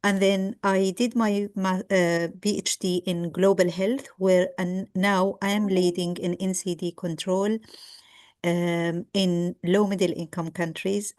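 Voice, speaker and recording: A middle-aged woman from Egypt gives a lecture over a video call, speaking in a measured way with frequent ums and restarts. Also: lowish voice, a little mellow. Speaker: guest lecturer. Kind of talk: online lecture.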